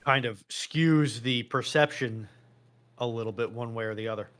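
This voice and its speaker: A man's voice: medium pitch, normal speed, a bit bright. An American man chatting casually as a panelist, with a matter-of-fact, slightly grumbling way of talking. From United States. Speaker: panelist on a live show. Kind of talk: casual chat.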